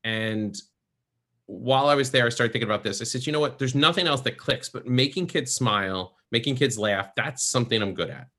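Bright-voiced chatty man. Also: medium pitch, fairly quick. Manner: chatty, animated storyteller. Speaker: guest, professional Santa performer. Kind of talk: storytelling in a podcast interview.

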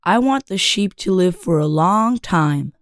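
A man voicing a small golden-haired boy who asks gently and keeps insisting, in a storybook reading. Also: high-pitched, animated, a little slow, no echo, clean studio sound, pitched above the performer's own voice, full character voice. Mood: insistent. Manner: gentle, persistent requests.

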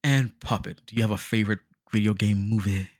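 Casual low-voiced man hosting a podcast. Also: steady tone, fairly quick, a little mellow, dry recording, studio quality. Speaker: podcast host. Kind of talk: casual chat.

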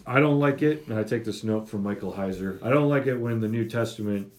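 A man's voice: lowish voice, a little fast, darkish tone. A young man hosting a casual Bible study chat, explaining a passage with many fillers and restarts. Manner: chatty, lots of fillers and restarts. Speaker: Bible study podcast host.

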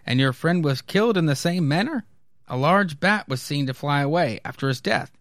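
A man's voice: on the high side, lively intonation, moderate pace, a bit bright, dry recording, clean studio sound, pitched above the performer's own voice. Man reading as an earnest, commanding army officer. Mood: formal. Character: earnest, commanding military officers in melodramatic story. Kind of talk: amateur read-aloud dialogue.

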